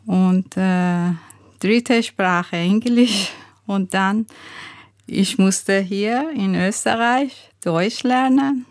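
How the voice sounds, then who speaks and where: A woman from Iran with an Iranian accent, a guest in a radio interview, speaking haltingly with many pauses and fillers. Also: medium pitch, no echo, clean studio sound. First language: Farsi and Azeri. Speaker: health navigator guest.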